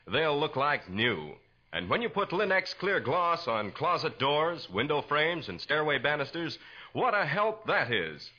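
An American man works as a polished 1940s radio announcer. His voice is bright and forceful, a little husky, with animated intonation and emphatic selling. The old broadcast sound is dull. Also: on the high side.

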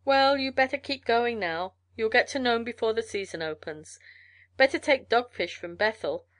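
A woman's voice: fairly high pitch, expressive, moderate pace, close to an everyday voice. A woman voicing a gossipy, amused frontier mail carrier in a storybook, with folksy colloquial talk. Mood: folksy, matter-of-fact. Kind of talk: storybook character voice in narration.

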